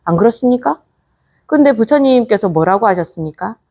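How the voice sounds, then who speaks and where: A woman's voice: on the high side, lively intonation, brisk, mellow. A woman, a Buddhist nun, lecturing in a conversational way and often putting rhetorical questions to her listeners. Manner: coaxing rhetorical questions to the audience.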